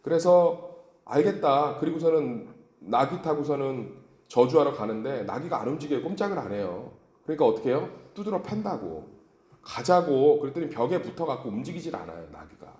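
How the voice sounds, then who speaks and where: A man's voice: medium pitch, big pitch swings, brisk, dark tone. A male pastor delivering a dawn service sermon, full of rhetorical questions and acted-out stories, in an echoey church room. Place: church sanctuary.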